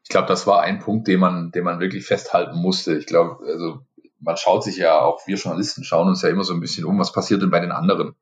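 Deep-voiced male journalist. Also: steady tone, quick pace. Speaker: journalist podcast host. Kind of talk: casual podcast discussion.

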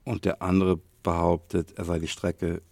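A man co-hosting a podcast in casual chat, thinking aloud in a deliberate way. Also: low voice, level tone, gravelly, a little mellow, no echo. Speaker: podcast co-host.

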